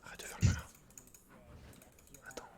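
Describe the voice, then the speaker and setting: A man's voice: moderate pace, dark tone. A man doing casual, slangy ASMR gaming commentary as the host, swearing now and then.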